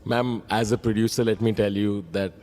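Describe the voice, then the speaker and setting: A man's voice: lowish voice, steady tone, normal speed, darkish tone, slight background noise. A young man, hosting a casual comedic chat, joking and teasing politely. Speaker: host.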